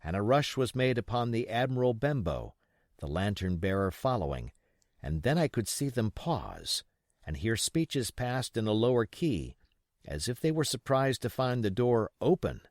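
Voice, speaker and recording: A man's voice: medium pitch, very animated, normal speed, darkish tone, dry recording, clean studio sound. A man reading an adventure novel as an audiobook narrator, in scripted storytelling style.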